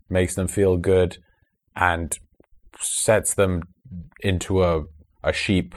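Very deep-voiced man, earnest and measured. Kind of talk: casual discussion.

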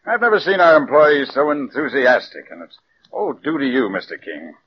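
An actor playing an eager, flattering company sponsor in a 1940s radio drama. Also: male voice, mid-range voice, moderate pace, breathy edge. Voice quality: effusive, flattering. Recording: dull old radio broadcast recording.

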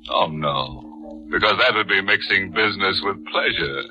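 A man's voice: deep voice, lively intonation, normal speed, sharp tone, soft background music, exaggerated voice. A man playing a ghoulish, gleeful vintage horror narrator, tongue-in-cheek, in 1940s radio style. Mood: macabre glee. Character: ghoulish, gleeful punning horror show host. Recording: dull 1940s radio recording.

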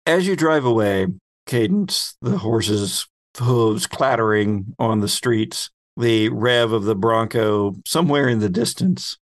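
A man hosting and narrating a tabletop game as game master, with deliberate, descriptive storytelling. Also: lowish voice, lively intonation.

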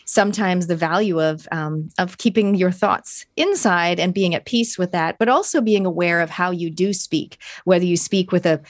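A woman's voice: on the low side, moderate pace, hardly any pauses, no room sound, studio quality. A woman hosting a radio interview, friendly and inviting listeners to send in messages. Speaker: radio show host.

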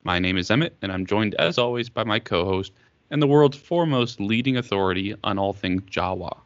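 Male podcast host, low voice, wry and teasing, dry dull lo-fi sound. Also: expressive, fairly quick, no room sound. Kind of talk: casual podcast chat.

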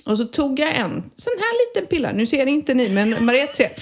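A woman in her forties chatting as a podcast co-host, telling stories in a lively way and acting out the people in them. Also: high voice. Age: 40s. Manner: lively storyteller who acts out voices. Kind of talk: casual podcast chat.

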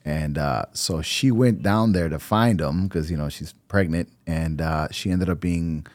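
A young man with a very deep voice talks through his life story in a relaxed, meandering way. He is a financial advisor chatting as a guest in his office. The sound is dry and close. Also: a little slow, dry recording. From born in Costa Rica, raised in Milwaukee. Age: young adult. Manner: relaxed, rambling storytelling with many fillers. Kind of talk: casual interview conversation. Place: high-rise office.

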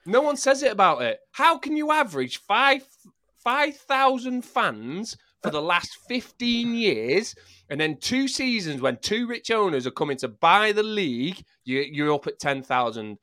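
A man's voice: high-pitched, sing-song, unhurried, pushed and bright. A man on a podcast panel in a heated sports debate, combative and stubborn in sticking to his point.

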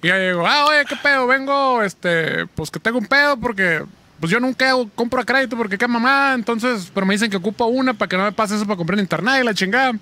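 Mexican male co-host, quick and very bright, high voice, joking anecdotes. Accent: Mexican Spanish. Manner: joking anecdote teller, swears freely. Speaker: podcast co-host. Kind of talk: casual chat.

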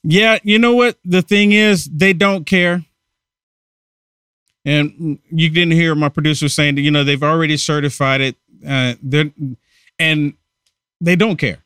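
Male talk host, emphatic and repetitive, somewhat high pitch, dry booth. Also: steady tone, a little slow, pauses often, fairly bright tone, clear, resonant tone, dry recording. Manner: heated, emphatic, repeats himself. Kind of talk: political talk radio commentary.

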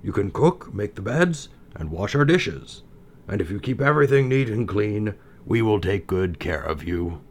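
A band of kindly little storybook miners, lifting their voices a touch higher and speaking with gentle concern, as a male narrator puts them on. Their lines rise and fall with lively care. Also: moderate pace. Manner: kindly, warning. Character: seven kindly male dwarves, protective miners.

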